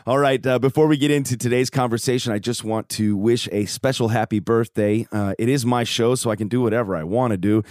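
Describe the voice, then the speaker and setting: A man with a hoarse voice hosting his podcast, upbeat and joking in casual chat. He grew up in Chicago. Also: medium pitch, fairly even intonation, brisk, few pauses, darkish tone, no room sound, clean studio sound. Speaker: podcast host. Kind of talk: casual podcast monologue and interview. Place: home studio.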